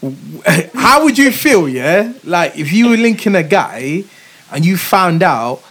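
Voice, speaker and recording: A man with a noticeably high voice and a London accent hosts a casual chat. He talks like a roadman, leaning heavily on urban street slang. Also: sing-song, slow, fairly bright tone, slightly rough. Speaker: podcast host.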